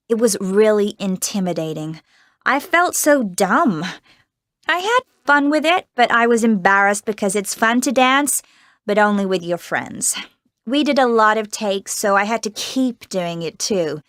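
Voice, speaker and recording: A woman playing a cheerful American teenage girl actress in a scripted interview, chatty and quick to laugh, with an American accent. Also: mid-range voice, expressive, fairly bright tone, no room sound, clean studio sound. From United States. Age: teens. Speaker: young film actress being interviewed. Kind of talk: scripted exam-recording interview.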